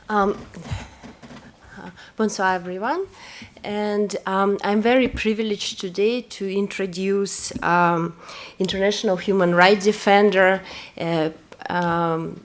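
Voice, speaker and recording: A woman from Kazakhstan, a lawyer giving an earnest, hesitant introduction at a press event, full of fillers. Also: mid-range voice. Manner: earnest, personal testimony.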